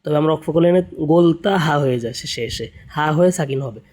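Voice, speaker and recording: A man teaching Quran reading to beginners, chanting letter-by-letter spellings slowly and explaining the rules in quick asides. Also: fairly high pitch, a little mellow. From Bangladesh. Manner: slow sing-song spelling chants, then quick spoken explanations. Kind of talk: spelling out Arabic letters and vowel marks for beginners.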